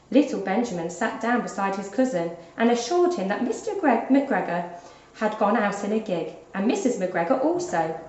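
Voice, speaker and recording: A woman narrating a children's story aloud in an expressive, deliberate storytelling manner, like a teacher. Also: medium pitch. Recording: dull, roomy lo-fi recording.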